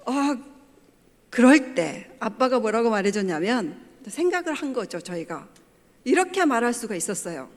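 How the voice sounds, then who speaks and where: A woman's voice: fairly high pitch, very animated, moderate pace. Middle-aged woman speaking in a reverberant church. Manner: storytelling, acting out family quotes. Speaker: pastor's wife giving a family talk. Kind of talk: church lecture with personal stories. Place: church sanctuary. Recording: long church hall reverb.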